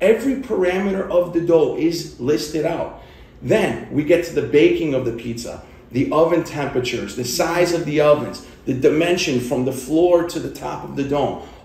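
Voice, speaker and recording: Fairly high male voice, lively in intonation and moderate in speed, with noticeable background noise. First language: Italian. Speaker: pizza instructor. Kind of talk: casual interview chat.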